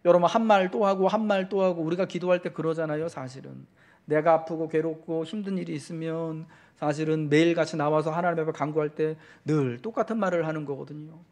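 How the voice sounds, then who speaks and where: A male pastor delivering a Sunday sermon, talking straight to the congregation with repeated questions and swelling, slowed-down emphasis on key words. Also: fairly high pitch, steady tone, a little mellow. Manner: fervent preaching that slows and swells for emphasis.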